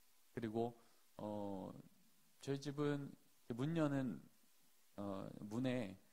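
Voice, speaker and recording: A man with a dark, mellow tone speaks at a medium pitch with ordinary pitch variation. Long, frequent pauses break up his speech, and the room echo is audible. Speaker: professor. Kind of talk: lecture. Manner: fast.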